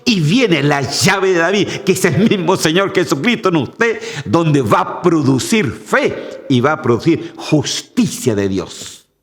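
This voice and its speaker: A man's voice: fairly high pitch, very animated, unhurried. A male pastor preaching a sermon, emphatic and direct, often calling his listeners "brother". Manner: emphatic, addresses the congregation as "hermano". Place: church. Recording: long church reverb.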